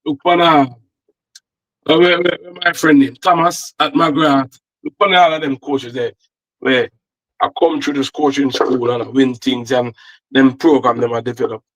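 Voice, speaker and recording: A man's voice: medium pitch, steady tone, moderate pace, a bit bright, rough recording. A Jamaican man, a football analyst, chatting casually and rambling with repeated words. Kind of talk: casual chat.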